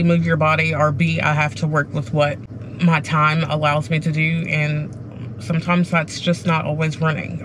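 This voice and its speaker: A middle-aged woman vlogging casually to a dashboard camera in a car, talking in a candid, rambling, self-reflective way. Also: sits low. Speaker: running vlogger. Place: sitting inside a parked car. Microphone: camera mounted on the dashboard. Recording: clear car and background noise.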